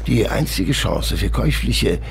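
An actor playing a gruff, taunting provincial policeman with a sardonic, needling manner in an audio drama. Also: on the low side, lively intonation, unhurried, heavily acted. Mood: taunting, pressing.

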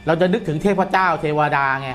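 A man's voice: a little high, brisk, a bit bright, faint music behind. A middle-aged man explaining things in a casual, colloquial studio chat, repeating phrases for emphasis. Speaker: guest commentator on a horror show. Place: indoor studio, seated at a desk.

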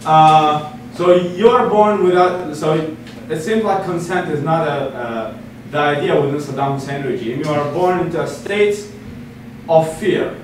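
His voice sits on the high side and moves a little slowly. A twenty-something Iraqi guest speaker, he lectures earnestly from a podium to a seated meeting-room audience, often restarting phrases and leaning on fillers. The podium mic, heard from a far camera, gives an echoey, distant sound with audible noise.

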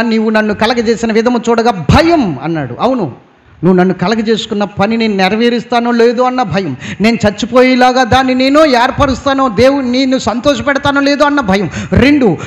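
A man with a very high voice preaches a sermon. He builds his points through repeated refrains and a rising, insistent cadence. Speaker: pastor.

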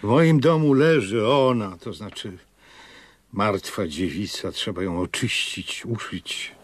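A man's voice: on the low side, slow pace. An actor in a radio play playing an aging Jewish innkeeper, anxious, stubborn and protective of his guests, with a questioning, plaintive manner. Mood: pleading, stubborn. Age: older. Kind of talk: radio drama acting.

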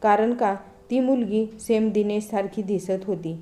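Mellow-voiced woman telling a moral story. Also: mid-range voice, a little slow. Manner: steady, earnest storytelling.

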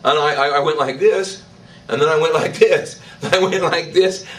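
An older man, a priest, preaching a sermon in church, slow and emphatic, with declarations that rise in pitch. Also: a bit bright, recorded from a distance, poor audio. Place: church, indoors. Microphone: stand mic in front.

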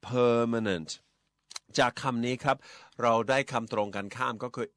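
A man's voice: mid-range voice, fairly even intonation, fairly quick, a bit bright, no echo. A man co-hosting a casual bilingual radio chat, patiently explaining words and spelling them out letter by letter. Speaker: radio co-host teaching English.

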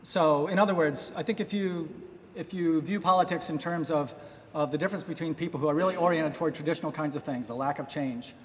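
A man's voice: on the high side, quick pace. An older man giving an academic conference talk at a podium microphone, earnest, thinking aloud with many restarts. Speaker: speaker presenting research. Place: large hotel ballroom, at a podium. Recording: long hall reverb, faint noise.

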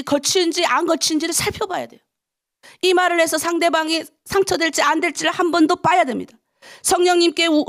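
Woman pastor from north korea giving an early morning sermon, high voice with a gravelly edge, keeps throwing questions at the congregation. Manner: animated, exhorting, rhetorical questions to the congregation. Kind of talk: dawn prayer sermon.

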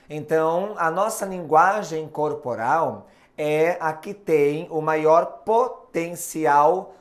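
A man with a Brazilian Portuguese accent teaching a recorded video lesson on communication and hypnosis, speaking slowly and deliberately with clear emphasis. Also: on the high side. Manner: slow, deliberate explanatory delivery with emphasis.

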